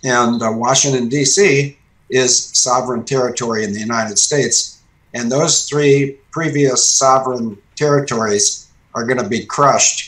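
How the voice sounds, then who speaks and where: A man's plain, everyday voice at a medium pitch, with fairly even intonation and a moderate pace. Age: 60s. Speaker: political commentator. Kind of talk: radio talk show interview.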